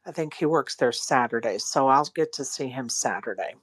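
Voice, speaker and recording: A woman's voice: extremely low pitch, lively intonation, moderate pace, breathy edge, no echo. A woman chatting casually and loosely, with conversational filler phrases. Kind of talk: casual chat in a live online audio room.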